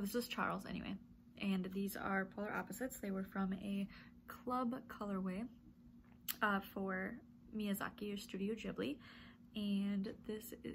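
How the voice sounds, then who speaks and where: A woman's voice: mid-range voice, vocal fry, background noise. A woman in her thirties with a stuffy, congested nose, hosting a knitting video podcast in a chatty, rambling way with small laughs. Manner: chatty, rambling, frequent little laughs and ums. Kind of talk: casual chatty monologue to camera. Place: home room with yarn shelves.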